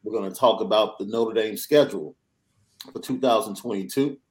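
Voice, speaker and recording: Energetic man hosting a sports podcast. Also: fairly low pitch, moderate pace. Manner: energetic, reads news and ad reads. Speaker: podcast host. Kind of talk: casual sports podcast chat.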